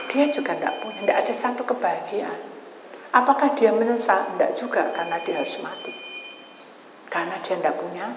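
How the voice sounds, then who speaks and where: A woman pastor, preaching a sermon in a storytelling way that often drops to a hushed whisper. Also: mid-range voice. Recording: echoey hall, faint background noise.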